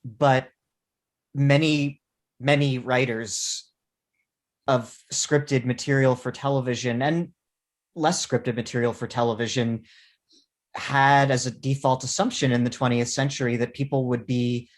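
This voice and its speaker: A man speaking as a panelist in an informal academic discussion, with measured, scholarly phrasing. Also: medium pitch, steady tone.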